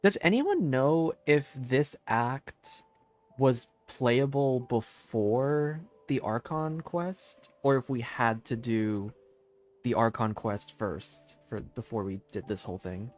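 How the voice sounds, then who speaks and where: A man's voice: medium pitch, slow, a little mellow. A man giving casual, rambling live commentary as a game streamer, hesitant and often repeating phrases. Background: game music.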